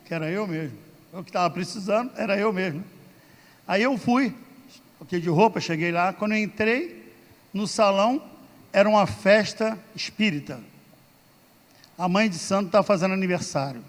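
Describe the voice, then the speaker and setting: A man's voice: high voice, normal speed, pauses often. A man, a guest pastor preaching and telling a personal story, acting out the dialogue. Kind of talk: sermon with personal testimony. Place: church sanctuary. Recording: reverberant church hall.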